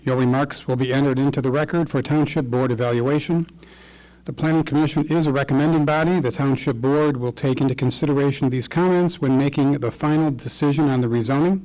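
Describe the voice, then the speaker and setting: A man's voice: medium pitch, fairly even intonation, fairly quick, a little mellow, rough recording. A man chairing a township planning commission meeting, reading formal procedural remarks.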